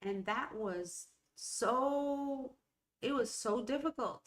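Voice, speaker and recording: A woman's voice: a little high, slow. Chatty middle-aged woman host, rambling. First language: Spanish. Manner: rambling, conversational, self-interrupting with "okay?" and "right?". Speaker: podcast host. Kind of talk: solo motivational talk.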